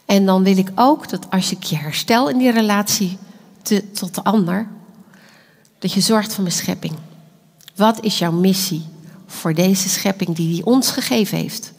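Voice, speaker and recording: A woman giving an earnest, animated sermon, dropping now and then into quiet whispered asides. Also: mid-range voice, unhurried, creaky. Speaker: preacher. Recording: echoey hall.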